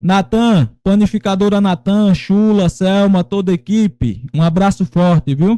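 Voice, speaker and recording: A man's high voice with a dark, mellow tone, ordinary pitch variation, a fairly slow pace, very even loudness, hardly any pauses and a dry, close sound with no echo. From Northeast Brazil (Fátima, Bahia). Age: 30s. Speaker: podcast guest, sound-car advertiser. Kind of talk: casual interview chat.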